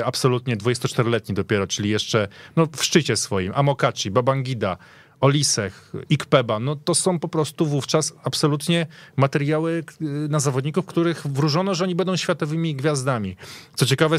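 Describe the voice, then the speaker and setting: A man's voice: medium pitch, no echo. A man giving casual, analytical football commentary as a guest in a radio studio.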